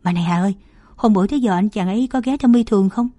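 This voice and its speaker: A woman's voice: mid-range voice, very fast, dark tone, dry recording, close to an everyday voice. A woman reading the part of a mischievous young female student who teases her roommate. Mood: teasing. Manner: cheeky, prodding banter.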